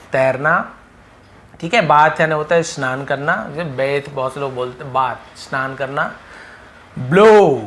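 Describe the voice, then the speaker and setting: A man teaching English words in a lesson, calling out each word loudly, then explaining its meaning more quietly. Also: on the high side, slight background noise.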